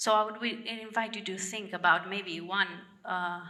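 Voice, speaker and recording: A woman talks at a fairly slow pace in a monotone, flat intonation. Audible room echo can be heard. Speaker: business lawyer and conference speaker. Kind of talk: conference talk. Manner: halting, with fillers.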